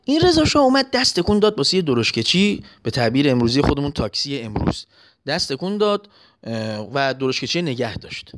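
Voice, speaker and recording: A man preaching a sermon, telling an anecdote and acting out its voices. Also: medium pitch. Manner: animated, acts out voices in anecdotes. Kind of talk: sermon with storytelling.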